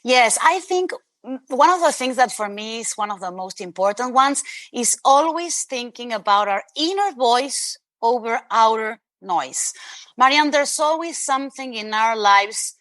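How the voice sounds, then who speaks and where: Bright, accented woman on a video call. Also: fairly high pitch, expressive, a little slow, dry recording. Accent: Spanish. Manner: earnest, emphatic, addresses host by name. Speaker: author and interview guest. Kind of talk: animated interview talk.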